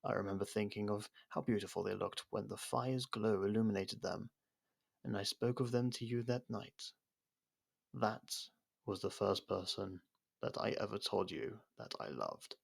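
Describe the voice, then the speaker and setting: An actor playing a proud, defiant captured royal in an ASMR roleplay, speaking in a haughty, halting, dramatic way. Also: male voice, lowish voice, animated, vocal fry, slightly rough, full character voice. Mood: wistful.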